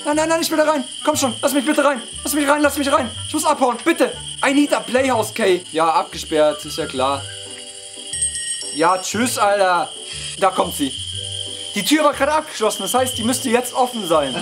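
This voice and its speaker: A hoarse young man doing let's-play commentary, excitable, yelping and laughing as he talks to his viewers. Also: extremely high pitch, normal speed. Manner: excitable, yelps and laughs, keeps addressing viewers. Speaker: gaming YouTuber. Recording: background music under voice. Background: game music.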